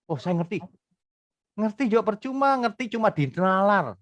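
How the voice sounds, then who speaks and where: A man's voice: high-pitched, sing-song, moderate pace, dry recording. Middle-aged male pastor, emphatic sermon delivery, dry close sound. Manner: emphatic, swings between loud bursts and quiet asides. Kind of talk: expository sermon.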